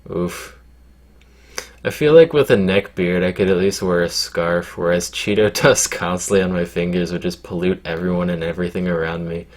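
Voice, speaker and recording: A man with a very deep voice answering viewer questions in casual chat. His delivery is deadpan and glum-sounding, and he rambles through fillers and profanity. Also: moderate pace. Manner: deadpan, low-key, sounds glum by his own account; rambling with many fillers and swearing.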